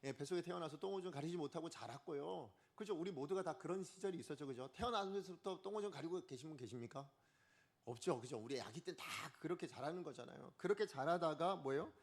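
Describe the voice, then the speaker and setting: A male pastor gives a Sunday sermon in a church, and his fairly high voice swings up and down as he talks. He keeps asking the congregation questions and acts out what people say, with lots of movement in his delivery. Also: fast. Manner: lively, asks the congregation questions and acts out quotes. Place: church sanctuary.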